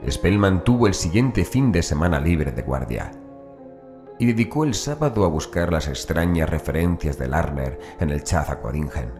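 A man with an extremely low voice narrates a horror story. It is a scripted audiobook reading with music playing behind him. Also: very animated, moderate pace.

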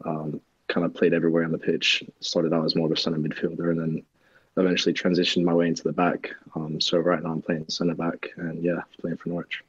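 A young man from Texas with a mixed American and English accent, answering interview questions casually with lots of pauses, speaking into earbuds on a video call. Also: sits low, husky, dry recording, dull audio. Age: young adult. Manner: relaxed, hesitant, many ums. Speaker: soccer player, guest.

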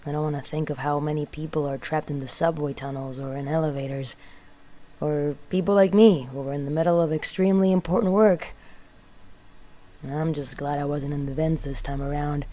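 A woman playing a weary, wry tinkerer in a sci-fi audio drama monologue, speaking in a halting, brooding manner. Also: sits low, fairly even intonation, warm tone, lightly acted. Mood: subdued, uneasy. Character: weary, wry young woman tinkerer in a doomed underground city.

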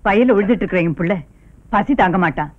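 A woman's voice: mid-range voice, animated, fast, highs cut off, lightly acted. An actress playing a tender, devoted older village mother. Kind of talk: film drama dialogue.

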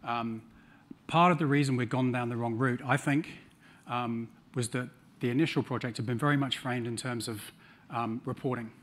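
A man's voice: mid-range voice, fairly even intonation, normal speed, fairly bright tone. A middle-aged man with a New Zealand accent giving a conference talk on a large stage, with dry humor and frequent ums. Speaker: conference speaker.

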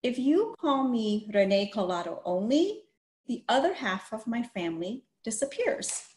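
Over an echoey video call from a small room, a middle-aged woman hosts a read-aloud and author interview through her computer mic. Her slightly high, slightly mellow voice swings widely in pitch at a measured pace.

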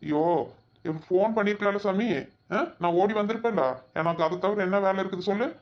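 A man's voice: high-pitched, a little fast, close to an everyday voice. A man voicing a doting, protective village brother in a cartoon, soothing and fussing with repeated endearments. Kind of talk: cartoon voice acting. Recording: dull lo-fi audio.

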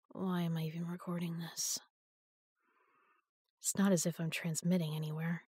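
A woman voicing a husky, frightened woman prisoner. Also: fairly low pitch, flat delivery, unhurried, dry recording, clean studio sound. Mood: hushed despair. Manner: hushed and weary, then frantic pleading. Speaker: audio drama performer. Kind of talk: first-person sci-fi audio drama.

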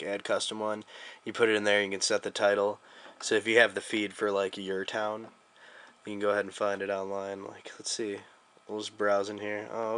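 Young American male reviewer, low but bright, forward voice, slangy and joking in a casual demo. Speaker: app reviewer. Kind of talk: casual app demo vlog.

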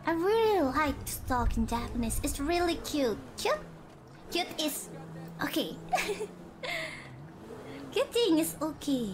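A young woman from Indonesia chatting casually while gaming on stream, halting and searching for words, often giggling. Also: sits high, very animated, noisy background. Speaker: virtual streamer.

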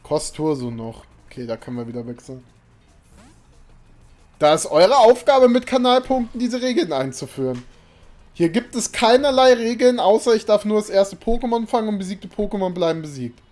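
Streaming from his small home room, this young man chats and rambles to his audience, occasionally bursting out in frustration. He speaks at a moderate pace in a high, darkish voice that swings widely in pitch. Faint game music plays behind the desk mic and webcam audio.

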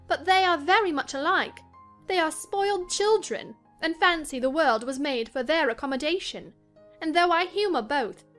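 A woman voicing a willful, spoiled young married gentlewoman, emphatic and self-assured, in a dramatized classic novel reading. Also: sits high, pitched above the performer's own voice. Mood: proud, insistent.

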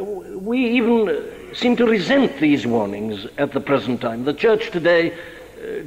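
An older man preaching a sermon in a church, earnest and deliberate, slowing down to stress key words. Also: fairly high pitch, a little mellow. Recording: dull archival sermon recording in a large hall.

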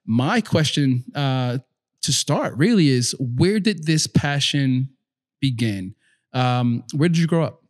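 A podcast host with a mid-range, animated voice takes his time in a casual interview chat. He asks questions in a friendly, easygoing way and rephrases what his guest says.

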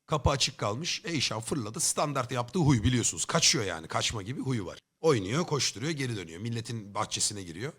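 A man's voice: medium pitch, sing-song, a little fast, hardly any pauses, a bit bright, breathy edge. A man livestreaming from home, telling a story in a casual, blunt way, with swearing and comic exaggeration. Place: home streaming setup.

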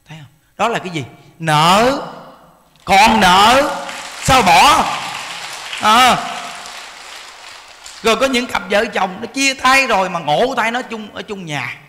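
Animated monk preaching. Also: male voice, high-pitched, a little fast. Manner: folksy, animated storytelling with quoted voices. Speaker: Buddhist monk teacher. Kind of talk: sermon. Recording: long hall reverb.

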